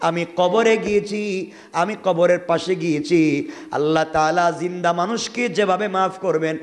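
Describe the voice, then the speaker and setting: A man with a Bangladeshi Bengali accent preaching a storytelling sermon, calling out to the crowd and rising into loud cries. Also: high-pitched, moderate pace. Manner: calls out to the audience, swings to loud cries. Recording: echoey hall with long reverb.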